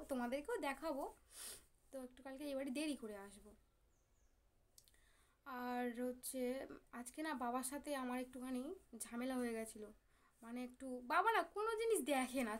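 A woman from Bengal chatting to her viewers in a halting way, full of fillers, about grief and family squabbles. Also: high voice. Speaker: vlogger. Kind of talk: casual chat to viewers.

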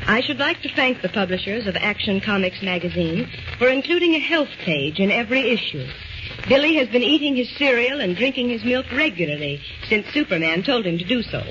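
A woman's voice: fairly high pitch, sing-song, a little fast, fairly bright tone. A woman playing an earnest, proper mother giving a 1940s radio testimonial. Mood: earnest approval. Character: approving mother of an eight-year-old boy. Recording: muffled, noisy 1940s radio recording.

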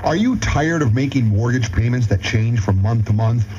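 A man's voice: mid-range voice, lively intonation, moderate pace, highs cut off, over music. A male radio personality reading a scripted endorsement ad, recorded off the radio on cassette.

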